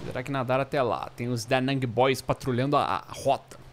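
Slangy man doing relaxed game commentary. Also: medium pitch, a little fast, a little hiss or hum. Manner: relaxed and slangy, with bursts of excited chatter. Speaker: gaming streamer. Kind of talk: casual gameplay commentary. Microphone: headset.

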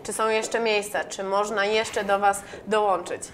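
A woman's voice: medium pitch, flat delivery, measured pace, a little hiss or hum. A young woman hosting a TV studio interview, summarizing and asking guests questions. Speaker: TV host.

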